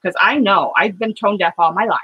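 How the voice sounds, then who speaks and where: A middle-aged woman hosting a live watercolor painting stream, chatting with viewers between steps in a loud, halting way full of fillers. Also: medium pitch, slightly rough, lo-fi sound. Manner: loud voice by her own account, halting with fillers and restarts. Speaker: watercolor livestream host.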